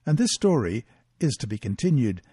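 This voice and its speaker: A man reads a weekly Bible study lesson aloud in a measured, expressive way. His voice is mellow and slightly husky, with lively rises and falls in pitch, recorded dry and close. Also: dry recording.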